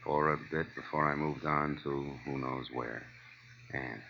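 An actor playing a hard-boiled, wisecracking American private detective in a 1940s radio drama, wry and clipped. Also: male voice, a bass voice, steady tone, unhurried, vocal fry, sharp tone, a little hiss or hum, heavily acted. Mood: reading flatly. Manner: wry, clipped, tough-guy delivery. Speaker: lead actor and narrator. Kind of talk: 1940s radio detective acting, first-person narration. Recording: dull old radio recording with music.

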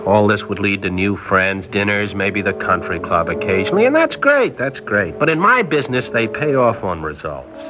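A glib young engineer. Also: male voice, lowish voice, big pitch swings, moderate pace, few pauses, music in the background. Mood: brooding. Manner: wisecracking, smooth-talking. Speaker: lead character and narrator. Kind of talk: 1960s radio drama acting. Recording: dull lo-fi old radio recording.

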